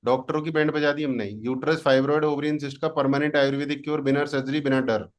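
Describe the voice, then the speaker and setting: A man's voice: a little high, flat delivery, quick pace. A man from India running an online class as a digital marketing coach, teasing and boastful, slipping English words into his Hindi. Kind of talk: live online class demo.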